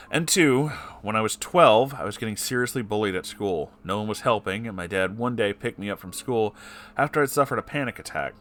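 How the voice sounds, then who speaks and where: A man with a fairly low voice reads a long personal story aloud to his channel. Between passages he breaks off into blunt, swearing asides and sighs before picking the reading back up. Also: fairly bright tone.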